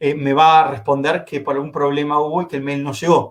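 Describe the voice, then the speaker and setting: This voice belongs to a man. His pitch is fairly high. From Uruguay. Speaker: educational technology presenter. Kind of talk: online presentation. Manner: halting, many fillers and restarts.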